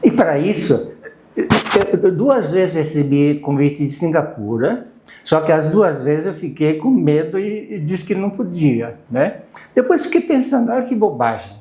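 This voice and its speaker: A man in his sixties from Brazil, a native Japanese speaker, talking casually as an interview guest in a halting way, searching for words. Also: fairly high pitch, big pitch swings, mellow. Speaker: guest, university lecturer and language student. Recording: roomy, echoing voice recording.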